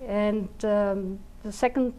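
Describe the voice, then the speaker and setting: A woman's voice: mid-range voice, fairly even intonation, slow, dark tone, slight background noise. A woman from Venezuela speaking as a geologist on a panel, hesitant and full of fillers. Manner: hesitant, many fillers and restarts. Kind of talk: panel discussion.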